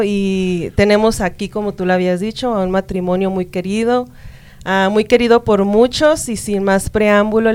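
A woman's voice: mid-range voice, a little mellow, clear, resonant tone. A woman co-hosting a Christian radio show, welcoming the guests with devout phrasing.

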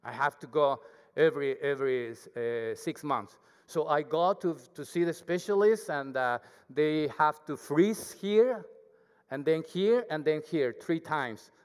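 A man with a thick Mexican accent, Spanish his first language, preaches as a guest speaker in a church with hall reverb. His voice is somewhat high, clear and resonant with a darkish tone, a little slow, and his sermon is humble, self-deprecating and chatty with the congregation.

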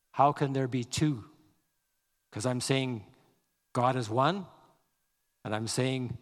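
A man preaching a sermon, reading scripture aloud slowly and leaning on key words. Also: mid-range voice, big-room sound. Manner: slow, measured delivery, reading scripture aloud with deliberate emphasis. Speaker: pastor.

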